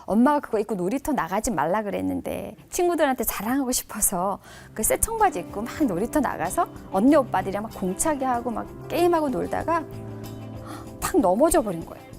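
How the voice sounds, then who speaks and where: A woman professor giving a lecture, telling stories expressively and dropping to a soft hush for emphasis. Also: a little high, sing-song, fairly quick, gravelly, soft background music.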